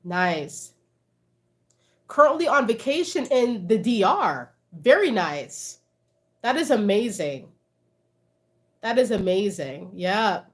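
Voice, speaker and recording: A woman's voice: medium pitch, big pitch swings, takes it slowly, long pauses. A woman, chatting casually with livestream viewers, reading out their comments and laughing often. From Canada. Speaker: livestream host.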